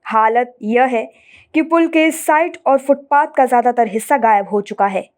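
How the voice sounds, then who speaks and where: A woman presenting scripted news in a formal, measured bulletin delivery. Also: fairly high pitch.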